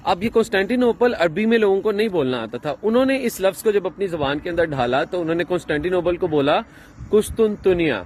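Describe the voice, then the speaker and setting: A man explains things in a relaxed travel vlog, pausing on fillers and starting over mid-sentence. He is recorded outdoors in a town, with faint street noise and passing traffic behind him. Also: sits high. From Pakistan. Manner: chatty, explaining with many fillers and restarts. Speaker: travel vlogger.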